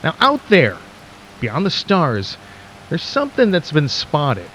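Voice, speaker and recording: A male actor plays a late-night radio DJ in a radio drama, a folksy man with a slightly higher-than-average voice. He talks to listeners intimately and conversationally, intrigued yet skeptical, leaving theatrical pauses. A faint hiss sits behind him. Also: wildly swooping pitch, a bit bright, muffled recording, heavily acted. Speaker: radio host.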